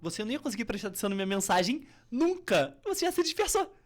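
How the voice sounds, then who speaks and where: Expressive Brazilian woman coaching speech. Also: fairly high pitch, fast talker, over music. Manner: expressive, swings between loud emphasis and soft near-whisper to demonstrate tone. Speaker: communication and public speaking coach, guest. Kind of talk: podcast interview, explaining.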